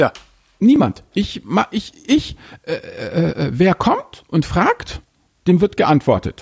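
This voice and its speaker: A man's very slow delivery, full of long, frequent pauses, in a dry, close recording without echo. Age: 50s. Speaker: personal finance blogger. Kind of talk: casual interview.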